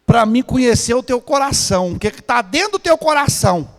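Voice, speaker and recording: High-voiced Brazilian pastor preaching in a hall. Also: male voice, animated, brisk. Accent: Brazilian Portuguese. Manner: preaching with swings between soft and shouted. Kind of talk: sermon. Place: large church hall. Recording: church hall with long reverb.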